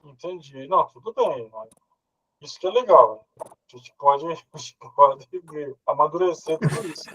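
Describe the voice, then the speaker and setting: Brazilian man, slightly high bright voice, dry close sound, hesitant casual reasoning. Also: expressive, normal speed, breathy edge, no room sound, poor audio. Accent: Brazilian Portuguese. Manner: thinking aloud, hesitant with fillers and laughs. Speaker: philosophy study group participant. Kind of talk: casual discussion.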